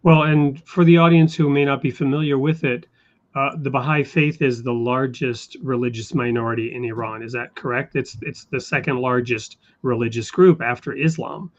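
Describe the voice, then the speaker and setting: A man hosting an interview show, asking questions in a measured, thoughtful way with frequent fillers. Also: medium pitch, steady tone, muffled recording. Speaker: show host. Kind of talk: interview conversation.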